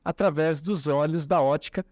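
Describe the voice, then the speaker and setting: A man hosting an interview podcast, leading the guest with lively questions. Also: fairly high pitch, moderate pace, no room sound, studio quality. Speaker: podcast host.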